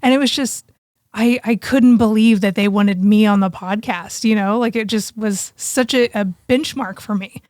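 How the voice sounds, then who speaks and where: A woman's voice: mid-range voice, normal speed, a little mellow, no echo, studio quality. A woman co-hosting a podcast, telling personal stories in a casual, conversational way. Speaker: podcast co-host. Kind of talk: casual chat, personal storytelling.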